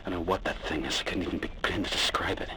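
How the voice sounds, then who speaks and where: A man playing a weary, frightened but stubborn survivor stranded on a spaceship, recording a halting, hushed audio log. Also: deep voice, steady tone, a little hiss or hum. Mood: uneasy, creeped out. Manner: halting, hushed, breaking into whispers. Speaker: solo role-player playing a character. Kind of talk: in-character audio log narration.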